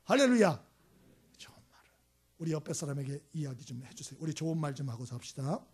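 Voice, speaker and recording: A male pastor delivering a sermon with emphatic preaching, swinging between loud exclamations and hushed asides, and acting out voices in his stories. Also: fairly high pitch, steady tone, fast talker, slightly rough. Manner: tells anecdotes acting out voices.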